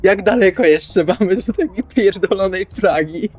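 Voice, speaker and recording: A man's voice: high voice, measured pace, a little mellow, soft background music. Man playing curt, menacing, irritable vampire. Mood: impatient. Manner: curt, profane, threatening. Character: Salvi, irritable, menacing vampire who craves silence. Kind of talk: improvised audio roleplay.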